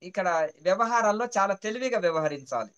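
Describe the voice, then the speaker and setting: A man's voice: high-pitched, lively intonation, fairly quick, fairly bright tone, clean tone. A man, a spiritual teacher who explains his points patiently through a parable, repeating phrases and checking that the listener understands.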